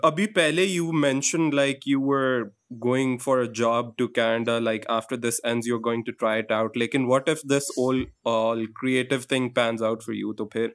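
A man's voice: medium pitch, steady tone, moderate pace, hardly any pauses. A young man with a South Asian accent, chatting casually and switching between English and Hindi-Urdu. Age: young adult. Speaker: podcast co-host, medical student.

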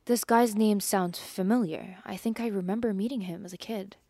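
A woman's voice: mid-range voice, fairly even intonation, moderate pace, warm tone, dry recording, natural voice. A young woman in a scripted audio drama, earnest and curious, a little defensive.

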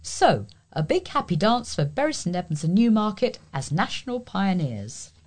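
Husky, expressive woman news reader. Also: medium pitch, normal speed. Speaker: volunteer reader of local news. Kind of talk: read-aloud local news and magazine column.

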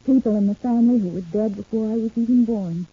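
An actress playing an anxious, gentle young woman with earnest, pleading delivery in a vintage radio soap. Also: a little high, fast, slightly rough. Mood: troubled. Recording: narrow, phone-like vintage radio recording.

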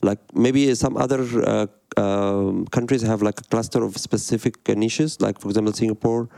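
Speaking at normal speed in a lowish, steady voice, an Egyptian man in his thirties who directs a design studio works through his interview answers with plenty of fillers and restarts. His tone is dark and mellow yet gravelly with vocal fry, and the close, dry recording has no room sound.

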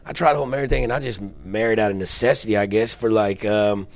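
A man's voice: lowish voice, steady tone, fast. A man in his early thirties chatting casually as a podcast guest, blunt and slangy, with plenty of swearing. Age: early 30s. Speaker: touring comedian, podcast guest. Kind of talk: casual chat.

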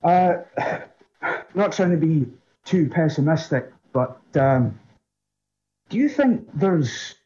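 A man phones in, his voice muffled and muddled as if he were speaking from underwater. He talks slowly and hesitantly, apologizing as he goes. His tone is dark and mellow, and it comes through a dull, lo-fi call line. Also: medium pitch. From Scotland. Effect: muffled underwater-sounding call audio. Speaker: caller. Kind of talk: call-in question to a show host.

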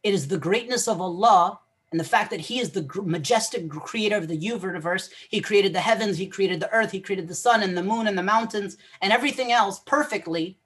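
A middle-aged man with a husky voice, a guest explaining things in an earnest, casual conversation and often repeating words as he thinks. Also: high-pitched, a little fast, fairly bright tone. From Egyptian family, English first language. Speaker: guest, mental health practitioner.

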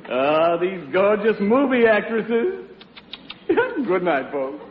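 A jovial train conductor. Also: male voice, high-pitched, sing-song, very slow, a little hiss or hum, heavily acted. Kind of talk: 1940s radio comedy acting. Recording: echoey, lo-fi old radio broadcast.

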